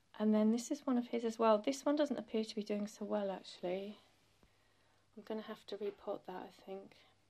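A woman with fairly high pitch has a dark, mellow, relaxed tone and fairly even intonation. She speaks at a fairly quick pace, her loudness swinging widely. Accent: British. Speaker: home vlogger. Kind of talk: casual vlog tour, talking to camera. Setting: at home, indoors. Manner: chatty, relaxed, with hesitations.

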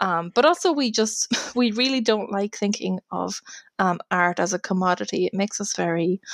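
With an Irish accent, a woman speaks at a moderate pace and with ordinary pitch variation, the sound dry with no echo over a quiet background. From Ireland. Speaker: pop culture academic; podcast guest. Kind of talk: casual chat; interview answer. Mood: thoughtful, engaged. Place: home room.

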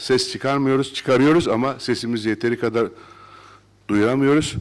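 Over a quiet background, a man with medium pitch speaks with fairly even intonation. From Istanbul, Turkey; Turkey. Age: 60s. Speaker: audience member. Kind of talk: public comment at seminar. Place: hall.

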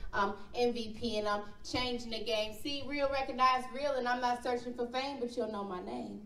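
With an American accent, a woman speaks at a moderate pace and a fairly high pitch, using ordinary pitch variation, with light background noise and audible room echo. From Milwaukee, Wisconsin. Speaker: spoken word artist. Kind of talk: spoken word poetry performance. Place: meeting room.

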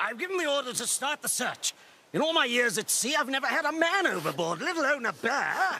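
A put-on, gruff character voice, raised and projected, delivered at a fairly quick pace. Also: man, extremely high pitch for a man. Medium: cartoon. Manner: gruff, stern.

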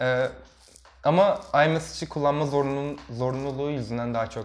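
Ordinary pitch variation marks a man's speech, delivered at a moderate pace. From Izmir, Turkey. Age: young. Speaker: university student, viewer; viewer giving a phone review. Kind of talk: casual interview. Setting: studio. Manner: quiet. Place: home room. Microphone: lapel.

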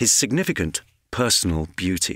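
A man with an English accent speaks at a moderate pace in a fairly low pitch, his bright, sharp tone carried by lively intonation on a very clean recording with a silent background. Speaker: audiobook narrator. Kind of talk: audiobook reading of classic fiction. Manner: dynamic, exciting pace.

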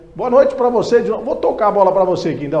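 Lively intonation with audible room echo. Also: man. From Brazil. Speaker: TV news anchor. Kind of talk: news presenting. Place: studio. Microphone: lapel.

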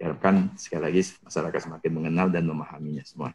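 Speaking at a very fast pace, a man with a very deep, low voice keeps a monotone, flat delivery over light background noise. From Indonesia. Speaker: health insurance agency director. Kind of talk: presentation. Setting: video call. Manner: halting. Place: office. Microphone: video call.

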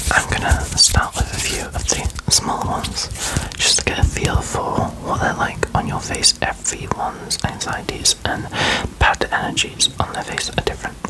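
At a moderate pace, a man is whispering. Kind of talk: ASMR roleplay soft talk. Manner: soft, close ASMR murmur. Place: home room. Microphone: earbuds.

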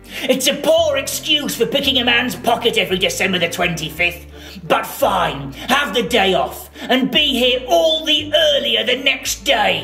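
A man speaks at a moderate pace in a put-on character voice with an extremely high pitch, as clear music plays in the background. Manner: gruff, grumpy.

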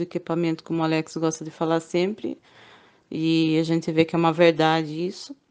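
A woman with a plain, everyday voice, fairly low pitch and moderate pace against a quiet background. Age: 40s. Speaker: student of sublimation courses. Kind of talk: testimony.

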